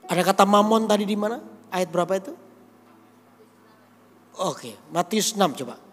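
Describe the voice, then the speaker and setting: A man's voice: high voice, lively intonation, moderate pace. A male pastor preaching a sermon, telling a story with acted dialogue and calling out to his congregation. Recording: reverberant church hall with music.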